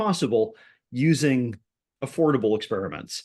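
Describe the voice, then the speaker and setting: A man with an American accent speaks at a medium pitch against a quiet background. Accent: American accent, kept. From Vermont, northeastern US. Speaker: co-op and sociocracy advocate. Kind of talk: interview conversation.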